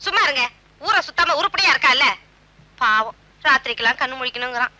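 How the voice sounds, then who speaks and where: A fond, fretting mother; bright and quick. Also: high voice, animated, heavily acted, low-quality recording. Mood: worried. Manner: fussing, fond. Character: fond fussing mother, worried. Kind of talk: 1980s Tamil film comedy.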